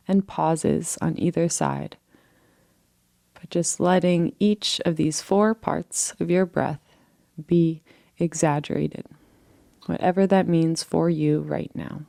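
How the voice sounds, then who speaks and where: Low, mellow woman guiding a meditation. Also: vocal fry, dry recording, clean studio sound. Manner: gentle, unhurried, permissive. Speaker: meditation guide. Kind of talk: guided relaxation meditation, soothing instruction.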